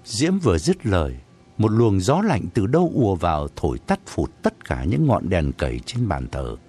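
A man reads a story aloud, his pitch rising and falling very widely as he builds scenes. His delivery is expressive and unhurried. Soft music runs underneath. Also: breathy edge. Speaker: narrator. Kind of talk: audiobook narration.

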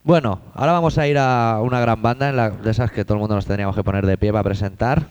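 A man hosts a casual radio show in a smooth, resonant voice, cracking easy jokes as he introduces each track. The recording sounds dull and lo-fi. His pitch sits in the middle. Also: fairly even intonation, rapid-fire, a little mellow. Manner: laid-back, joking introductions. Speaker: radio host.

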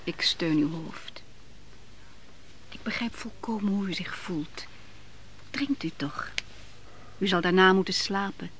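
An actress playing a gentle, attentive woman caring for an exhausted guest in a radio play, soft and soothing. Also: on the low side, slow pace, long pauses. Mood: soothing, solicitous. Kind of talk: Dutch radio play acting. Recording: noisy old radio play recording.

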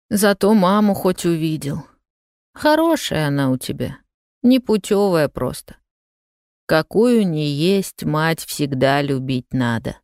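A woman voicing a calm, elderly great-grandmother comforting a frightened child. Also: mid-range voice, gravelly, no echo, studio quality, voice pushed up, exaggerated voice. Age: older. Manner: calm, soothing.

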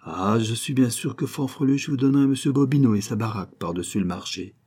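A man reading aloud voices a calm young gypsy woman who works at a fairground, speaking plainly and earnestly. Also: mid-range voice, fairly quick, breathy edge.

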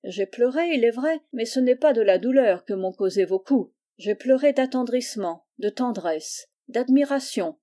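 A woman's voice: a little high, animated, normal speed, few pauses, mellow, close to an everyday voice. A woman reading aloud voices a cheeky young orphan boy who speaks with ironic politeness. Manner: ironic, impertinent.

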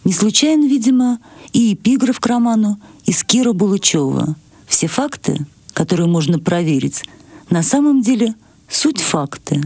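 Husky woman presenting on radio. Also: mid-range voice, lively intonation, normal speed, darkish tone, no echo. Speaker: radio presenter introducing a reading. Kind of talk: scripted literary introduction.

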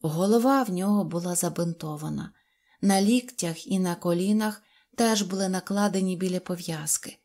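A woman narrating a children's tale in an even, clear storytelling voice. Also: on the low side, normal speed.

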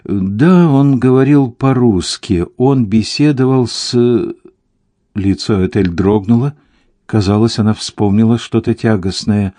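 Low, mellow male audiobook narrator. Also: unhurried, no echo, clean studio sound. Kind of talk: scripted narration.

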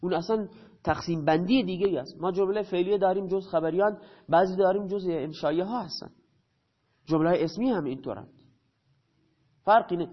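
A man gives a grammar lesson in a fairly high voice. He poses a question, answers it himself and repeats each key term slowly. The recording sounds dull and lo-fi. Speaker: teacher.

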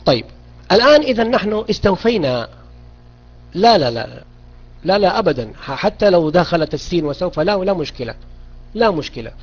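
A man's voice: high-pitched, sing-song, a little fast, pauses often, breathy edge. A man teaching a beginners' grammar lesson online, questioning students and repeating key points. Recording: dull lo-fi audio.

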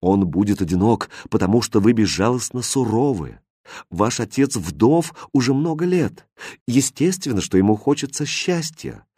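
Brief: male narrator doing an impassioned fairy-tale king, animated pitch, dry studio sound. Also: normal speed, husky, no room sound. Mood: reproachful. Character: passionate young king, ardent and dramatic. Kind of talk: audiobook character voicing.

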